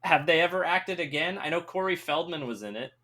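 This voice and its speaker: A man's voice: a little high, a little fast. A man co-hosting a podcast, chatting casually and ranting with mocking asides. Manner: animated, mocking, puts on voices in quotes. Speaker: podcast co-host. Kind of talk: casual chat.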